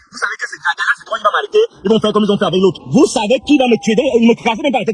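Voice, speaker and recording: Talking at a very fast pace over background music, a man with a high pitch and ordinary pitch variation swings widely in loudness, in a dry, close sound with no echo. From Cameroon. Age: 40s. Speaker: political activist. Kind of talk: political monologue. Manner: animated.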